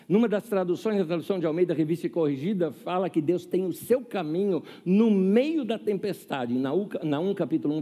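Lively pastor in his fifties, echoing hall. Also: a little high, husky. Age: 50s. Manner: conversational, humorous, often asks the audience. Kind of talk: sermon with personal story.

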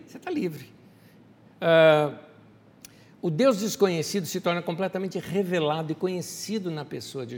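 A man preaching a sermon as a pastor, animated and speaking straight to his listeners. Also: fairly high pitch, long reverb tail.

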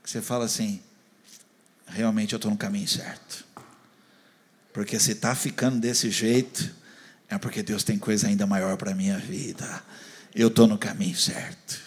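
A man preaching a sermon who swings between loud, animated urging and soft, close appeals, often putting questions to the congregation. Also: on the low side, moderate pace. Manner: addresses the congregation directly, asking questions.

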